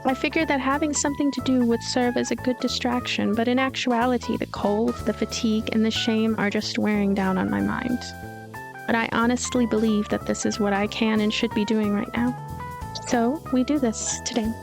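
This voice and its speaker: A woman voicing a lonely, gloomy ghost girl who narrates her story in a deadpan, weary, introspective way. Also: on the high side, moderate pace, gravelly, music in the background. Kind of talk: first-person story narration.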